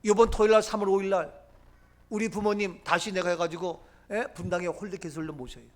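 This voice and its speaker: Middle-aged male pastor, high pitch, emphatic sermon delivery with acted-out quotes. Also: fairly quick. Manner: emphatic preaching, swinging from loud declarations to low murmurs; acts out quoted lines of Jesus and the crowd.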